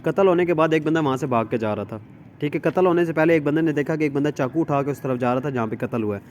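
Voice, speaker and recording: A man's voice: on the high side, fast talker, darkish tone, slight background noise. A man with a Pakistani accent giving an explanatory law lecture, reading out formal text and explaining it informally in a repetitive way with frequent check-ins.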